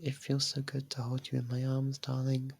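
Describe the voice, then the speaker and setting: In this intimate ASMR roleplay, a performer gives a husky, gravelly, monotone medium-pitched voice to a young faerie royal who is possessive and lovestruck. Delivery is soft, halting, tender, and clingy.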